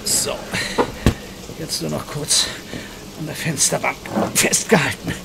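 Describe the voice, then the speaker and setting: An actor playing a wary, dry-witted police inspector in a radio horror drama, often talking to himself. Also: male voice, fairly high pitch, steady tone, slow pace, creaky, noisy background, heavily acted.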